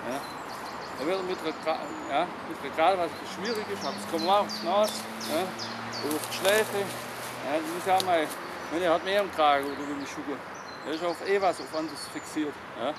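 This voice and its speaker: A man's voice: a little high, brisk. A man in his forties, a kung fu instructor, talking casually to the camera in a forest and often asking "ja?". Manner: chatty, rambling, keeps asking "ja?". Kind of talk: casual outdoor vlog talk. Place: outdoors in a forest clearing. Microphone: camera on a tripod at a distance. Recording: outdoor camera audio with clear wind and bird noise. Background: birds and outdoor ambience.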